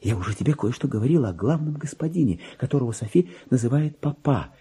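A man's voice: medium pitch, lively intonation, fast, mellow, breathy edge. A man voicing a chatty, naive, pampered female lapdog reading out her gossipy letters in a theatrical radio play. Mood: gossipy, puzzled. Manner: prim, gossipy, singsong.

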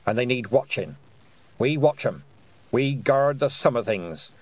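A man's voice: medium pitch, expressive, a little slow, darkish tone, no echo. A man voicing a stern, proud old woman witch who speaks in clipped, commanding statements.

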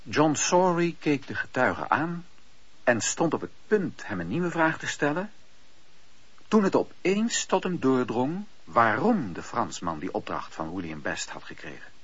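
Guy narrating an old radio play, mid pitch, very animated, dull lo-fi recording. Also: measured pace, breathy edge, dry recording.

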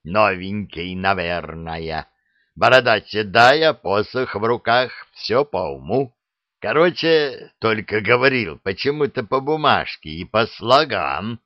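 A man voicing the middle head of a three-headed dragon in a storybook reading, slow and matter-of-fact. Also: fairly low pitch, expressive, no echo, dull audio.

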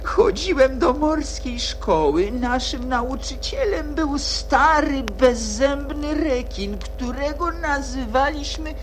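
A woman playing a doleful, self-pitying turtle telling its story haltingly in a children's radio play. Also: high voice, lively intonation, faint music behind. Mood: mournful.

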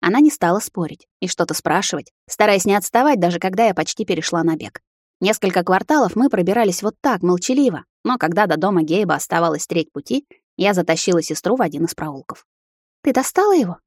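A woman narrating a fantasy novel in the first person, with brisk, expressive storytelling. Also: lowish voice, dry recording, clean studio sound. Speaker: audiobook narrator.

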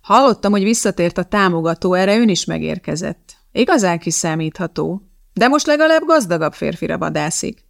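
A woman reading the part of a scornful female personnel officer who mocks and needles, in a low gravelly voice. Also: lively intonation, no echo, clean studio sound. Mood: mocking. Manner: mocking, needling.

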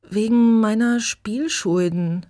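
A woman voicing a guilty young man who confesses in a quiet, halting voice. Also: fairly high pitch, voice pushed up. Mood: ashamed.

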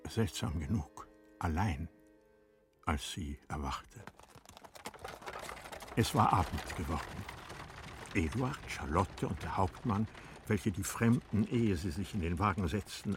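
In a low-pitched voice, a man narrates a literary radio play with a deliberate, measured delivery. His phrase endings drop away into a hush.

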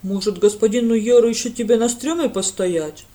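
A woman voicing a grumpy young male guard who speaks gruffly and sarcastically. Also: medium pitch, animated, fairly quick, mellow, natural voice.

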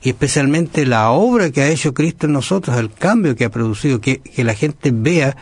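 Calm man explaining scripture. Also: mid-range voice, moderate pace, breathy edge, no room sound. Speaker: Bible study program co-host. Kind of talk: conversational Bible study dialogue.

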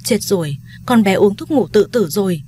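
A woman voicing a loving middle-aged mother, pleading and gently insistent, in a told story. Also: medium pitch, lively intonation, normal speed, a little hiss or hum, close to an everyday voice. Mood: panicked.

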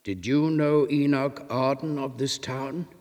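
A man voicing a dying old sailor, stern and sorrowful, speaking low and hushed. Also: fairly even intonation, measured pace, natural voice. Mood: grave. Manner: grave, hushed. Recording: reverberant room.

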